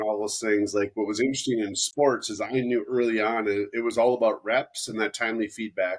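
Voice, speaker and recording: In a very clean recording with a silent background, a man with a normal speaking voice talks at a fairly quick pace and with fairly even intonation. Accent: American. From Minnesota, US Midwest. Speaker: educator and public speaker. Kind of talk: podcast interview.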